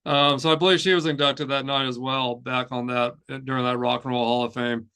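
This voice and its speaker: A man hosting a music news show, speaking in a casual, off-the-cuff way with halting, rambling delivery and repeated phrases. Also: medium pitch, little pitch movement, sharp tone, smooth. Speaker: host of a heavy metal news show.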